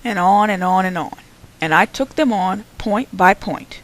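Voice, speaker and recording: A woman's voice: medium pitch, unhurried, rough recording. A young woman hosting her own channel, answering another vlogger in a sarcastic, combative response rant.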